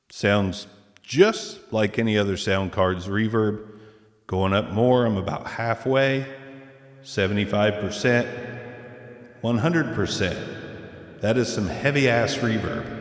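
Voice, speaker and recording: A man's voice: mid-range voice, clean tone, dry recording. Blunt guy reviewing a mic, middle voice, dry close sound. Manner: blunt, profane, thinking aloud. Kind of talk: casual gear review.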